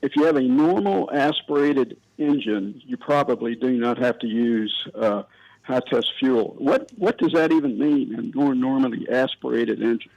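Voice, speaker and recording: A male caller asks a car question in a hesitant, curious way. His voice is gravelly and the line sounds dull and dry, with no room sound. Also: medium pitch, moderate pace, a little mellow, dry recording. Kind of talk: phone-in question.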